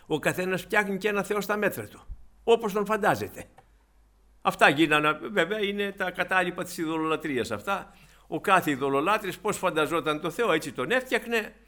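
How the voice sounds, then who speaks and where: High, bright-voiced older preacher man. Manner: exhorting, repeats "beloved brothers", rhetorical questions. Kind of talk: sermon.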